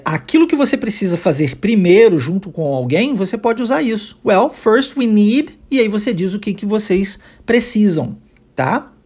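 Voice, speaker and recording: Husky male English teacher, Portuguese first language, patient, models phrases slowly for students to repeat. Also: high-pitched, darkish tone. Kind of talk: podcast English lesson for Portuguese speakers.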